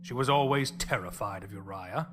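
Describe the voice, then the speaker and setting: An actor playing an insolent, sarcastic conspirator in an audio drama, with a wry manner. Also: male voice, fairly low pitch, moderate pace, fairly bright tone, lightly acted. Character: sardonic, insolent male conspirator.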